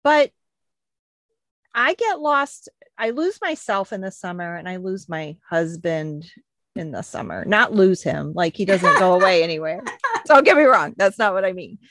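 Podcast co-host: animated middle-aged woman, chatty, lively pitch swings, very dry closet sound. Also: moderate pace, no room sound. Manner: animated, expressive. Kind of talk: casual, chatty podcast talk. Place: inside a closet at home.

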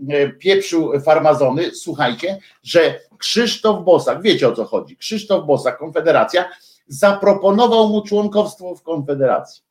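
A man's voice: a little high, animated, normal speed, a little mellow, reverberant. A man delivering a heated, scornful political rant straight to his viewers, with many hesitation fillers. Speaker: political commentator. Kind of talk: ranting monologue to viewers.

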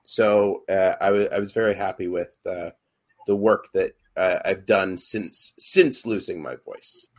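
A man's voice: sits low, a little slow. A young adult man, a podcast co-host and actor, chatting casually and hesitantly with many fillers and restarts.

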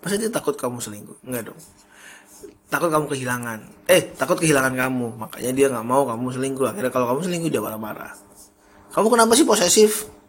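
A man's voice: medium pitch, fast talker, a bit bright, slightly rough. A young man hosting his own podcast in a casual solo monologue, chatty and often correcting his own slips with a laugh. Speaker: podcast host.

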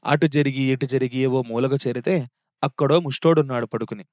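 A man narrating a story in a steady, wry reading voice. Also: medium pitch, brisk, no room sound, studio quality.

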